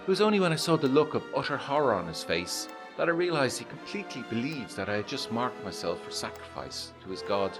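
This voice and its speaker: A man playing a haunted 1920s war veteran, reading his letter aloud in a brooding, measured way for a gothic audio drama. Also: mid-range voice, sing-song, over music. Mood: uneasy, haunted.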